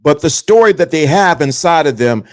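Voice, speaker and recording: A man's voice: on the high side, expressive, normal speed. A man in his fifties hosting a live stream, giving a motivational talk to his viewers and repeating his key points. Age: 50s. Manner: repetitive, preachy, addresses viewers directly. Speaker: livestream host.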